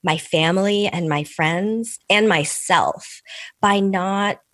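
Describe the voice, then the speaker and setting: A middle-aged Korean American woman whose first language was Korean, answering interview questions as an author in a thoughtful, measured way. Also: medium pitch, dry recording. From Korean American, immigrated as an infant. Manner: thoughtful, measured, with soft laughs and restarts. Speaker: author and podcast guest.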